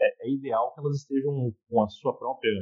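A man's voice sits at a medium pitch. Behind him, music plays in the background. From Porto Alegre, southern Brazil. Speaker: export program advisor. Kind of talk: interview conversation. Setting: recording from home. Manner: halting, many repetitions.

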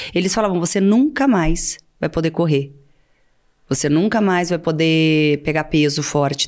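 On a very clean recording with a silent background, a woman speaks at a moderate pace in a very deep, low voice with ordinary pitch variation. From Brazil, São Paulo state (Cachoeira Paulista). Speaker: physician. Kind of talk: casual interview.

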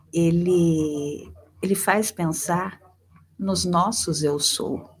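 A woman with ordinary pitch variation, over noticeable background noise. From interior of São Paulo state, Brazil. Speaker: spiritist Bible study guest. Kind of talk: religious discussion.

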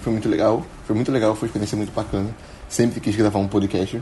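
A man is speaking. His voice is somewhat breathy. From Brazil, Recife (Pernambuco). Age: 19. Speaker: university literature student, quiz contestant. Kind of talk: quiz show. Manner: hesitant, repeats words.

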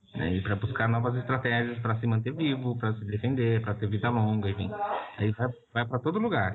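Over noticeable background noise, a man speaks at a medium pitch and a fairly quick pace, his intonation fairly even and his loudness very even. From Brazil, São Paulo city. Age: 30s. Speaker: visual artist. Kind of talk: interview.

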